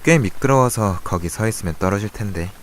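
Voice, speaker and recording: A man's voice: lowish voice, animated, brisk, slight background noise, lightly acted. A young man acting a brooding, cold and curt narrator in a Korean audio drama. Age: young adult. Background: music.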